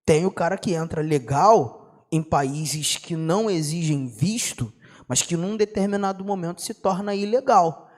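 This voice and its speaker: A young Brazilian man teaches an exam-prep law class with a high, lively voice. He talks in slang and keeps firing rhetorical questions at his students. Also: unhurried. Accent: Brazilian Portuguese.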